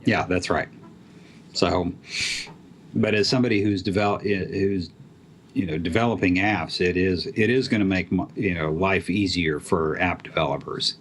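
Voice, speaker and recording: A man with a very low voice chats casually about programming. He talks haltingly, with lots of ums and restarts. There is a faint hiss of noise in the background. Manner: halting, many fillers and restarts. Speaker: app developer guest. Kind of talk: casual tech chat.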